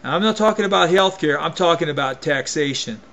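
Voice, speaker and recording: A man with a voice pitched a little higher than most men rants into the camera in a folksy, emphatic way. He keeps restarting and doubling back on his phrases as he talks. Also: expressive, fairly quick, a bit bright, highs cut off. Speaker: vlogger. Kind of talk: opinion rant to camera.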